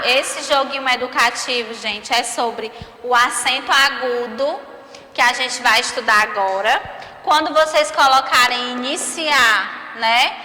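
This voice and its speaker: A Brazilian primary school teacher, her high voice sharp in tone, teaches young children over a remote lesson. She stretches syllables, checks in with frequent tag questions, and has a Brazilian Portuguese accent. The recording carries a roomy echo and long reverb.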